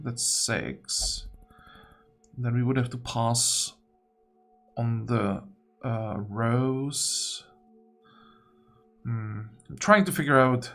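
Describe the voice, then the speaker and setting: A man commentates on his own gameplay at an unhurried, slow pace. His mid-pitched voice has a lot of fry in it. He muses hesitantly to himself as he works through decisions, with faint music behind him. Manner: musing, hesitant, talking to himself. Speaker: gaming video host. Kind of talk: unscripted game commentary, thinking aloud.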